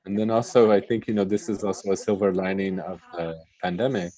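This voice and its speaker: An interpreter rendering a panel discussion into English live, in halting phrases with pauses. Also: low voice, steady tone, warm tone, low-quality recording.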